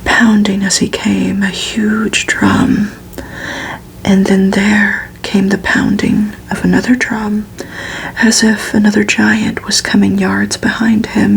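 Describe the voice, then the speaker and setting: A woman reading a gothic novel aloud for ASMR in a breathy, unvoiced whisper, hushed and deliberate, with pauses between phrases. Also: medium pitch, a little hiss or hum, rough recording. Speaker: ASMR reader.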